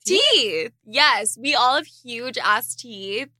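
Slow but very animated, this young podcast host speaks in a slightly high, bright, forceful voice, captured dry at studio quality. She's of Argentine family and handles listener questions bluntly, with crude jokes and plenty of laughter mixed in.

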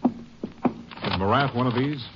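A man's voice: medium pitch, takes it slowly, loud music behind the voice, close to an everyday voice. An actor playing an earnest, helpful lawman in a 1950s radio western. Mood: earnest, eager. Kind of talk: 1950s radio western crime drama acting. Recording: muffled 1950s radio recording.

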